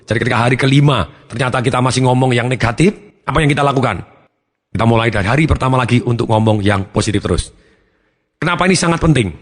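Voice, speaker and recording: A man's voice: mid-range voice, fast talker. A man giving a motivational seminar talk, speaking emphatically and acting out different tones of voice to make his points. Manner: emphatic, acts out tones of voice to demonstrate. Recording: long hall reverb, faint music behind.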